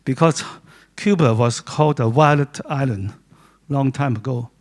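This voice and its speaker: Hong kong guy talking about his photos to a small room, lots of stops and restarts, mid pitch. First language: Cantonese. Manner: halting, with many restarts and pauses. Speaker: guest speaker, doctor and photographer. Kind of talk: informal talk presenting his photo book. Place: gallery room with a small audience.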